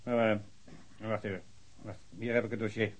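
An actor playing a formal, pedantic police official who reads out a report in stiff officialese. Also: male voice, lowish voice, level tone, moderate pace, natural voice, rough recording. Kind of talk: radio drama acting.

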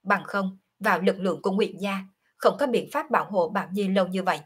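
A woman reading a calm, confiding young woman. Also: medium pitch, brisk, slightly rough, natural voice. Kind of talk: audiobook character reading.

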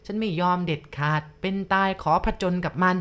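A woman's voice: lowish voice, brisk, a bit bright, lightly acted. A woman storyteller voicing a jealous, furious middle-aged wife who speaks bitterly and defiantly.

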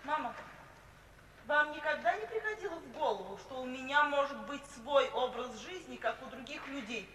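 An actress playing a firm, clear-headed young woman who answers her mother coolly and defiantly, in a 1950s radio play. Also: high voice, lively intonation, moderate pace, a bit bright. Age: young adult. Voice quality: cool, firm, cutting. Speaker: daughter, college graduate. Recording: echoey distant old radio play recording.

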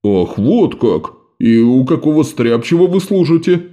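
A man's voice: on the high side, big pitch swings, slow pace, warm tone. A man voicing a fussy, indignant portly middle-aged clerk in an audiobook. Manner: blustering, huffy.

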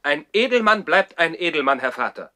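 An actor playing a defiant, courtly young baronet in a German radio play from the 1960s. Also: male voice, on the high side, sing-song, a little fast, sharp tone, full character voice. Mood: proud, defiant. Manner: stilted courtly politeness turned cheeky and defiant. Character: defiant young baronet boy living in the trees.

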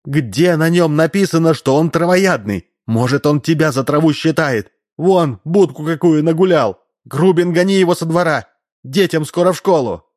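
A man reading an audiobook, voicing a shrill, scolding middle-aged housewife. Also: normal speed, darkish tone, lightly acted.

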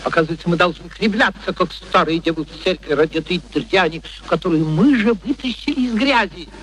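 An actor playing a brash, petulant, bullying professor in a theatrical radio play, impatient and exclaiming. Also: male voice, high voice, a little fast, fairly bright tone, poor audio. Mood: indignant. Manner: blustering, impatient, exclaiming and cursing. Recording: faint background noise, archive radio recording.

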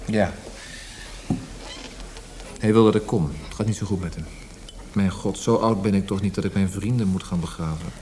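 An actor playing a proud, fretful poet in a radio drama, speaking in an earnest, precise, grumbling way. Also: male voice, deep voice, normal speed, pauses often, mellow, slight background noise, close to an everyday voice. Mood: melancholy. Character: proud, fretful, melancholy male poet and librettist.

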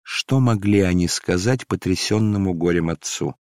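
Male audiobook narrator, measured, solemn, low voice, dry close sound. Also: darkish tone, no echo.

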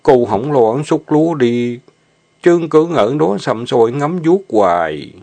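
A man's voice: medium pitch, big pitch swings, a little slow, warm tone, voice pushed up. A man voicing a bashful, lovesick young farmhand who stammers. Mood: pleading. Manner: stammering, hesitant.

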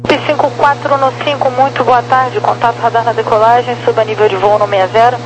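A woman working as an air traffic controller, giving procedural flight clearances digit by digit over aviation radio. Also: a little high, fairly even intonation, fairly quick.

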